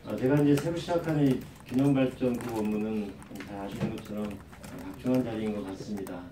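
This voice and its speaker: A man with a head cold gives a formal, measured press briefing as a government official, reading out official plans. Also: lowish voice. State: has a lingering cold. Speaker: government official, city bureau director. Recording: roomy distant microphone, faint background noise.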